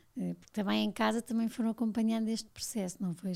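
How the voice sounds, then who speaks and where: A woman speaks at a moderate pace. Her tone is dark and mellow, and her intonation stays fairly even. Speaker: podcast host. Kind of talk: interview conversation.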